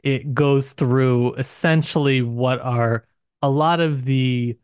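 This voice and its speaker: A man's voice: mid-range voice, steady tone, takes it slowly, a little mellow, clear, resonant tone, dry recording, studio quality. A man co-hosting a podcast, talking through books casually and thoughtfully, often qualifying what he says as he goes. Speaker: podcast co-host. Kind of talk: casual book discussion.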